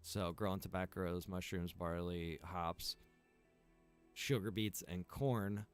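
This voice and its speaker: Smooth low-voiced man rambling casually. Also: steady tone, takes it slowly, soft background music. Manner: rambling, filler-heavy, lists features one by one. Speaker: game server owner and developer. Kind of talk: casual livestream chat.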